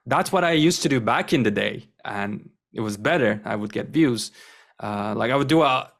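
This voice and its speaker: A man's voice: medium pitch, animated, normal speed, creaky, fairly bright tone. A young man whose first language is Turkish, a guest chatting casually in an interview, enthusiastic and rambling with lots of fillers. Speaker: guest, wrestling content creator.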